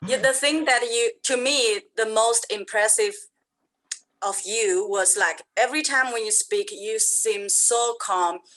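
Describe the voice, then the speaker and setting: A woman with a Chinese accent, fairly high in pitch, at a fairly slow pace. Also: ordinary pitch variation. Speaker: language teacher. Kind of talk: casual chat.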